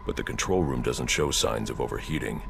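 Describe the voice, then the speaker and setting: A gravelly brooding masked detective. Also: male voice, fairly quick, background noise, heavily acted. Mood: analytical. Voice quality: deep gravelly growl. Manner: terse, clipped investigative monologue. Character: grim brooding masked male vigilante detective. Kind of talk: video game cutscene voice acting.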